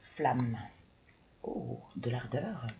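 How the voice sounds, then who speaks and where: A woman's voice: very deep voice, animated, extremely slow, warm tone, a little hiss or hum, poor audio. A woman doing a casual card-reading video, hesitant and stammering as she thinks aloud. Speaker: tarot and oracle card reader.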